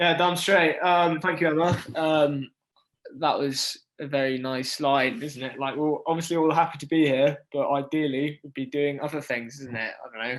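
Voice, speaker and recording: At a moderate pace and in a Welsh accent, the speaker keeps a fairly even intonation while the loudness swings widely. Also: man, fairly high pitch for a man. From Wales. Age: 20s. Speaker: event co-host. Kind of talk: casual event hosting. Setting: video call.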